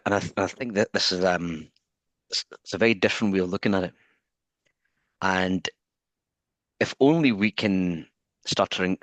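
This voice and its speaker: A man with a low, deep voice asks his questions slowly and thoughtfully. He stutters often, repeating words and catching on first sounds. The sound is dry and close. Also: a bit bright, no room sound. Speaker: interviewer. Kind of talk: conversational interview.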